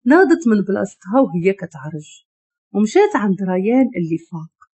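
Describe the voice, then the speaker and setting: A woman tells a romance story with a Moroccan Arabic accent. Her voice is mellow and slightly husky, and her delivery stays steady and even from line to line. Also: mid-range voice, a little fast.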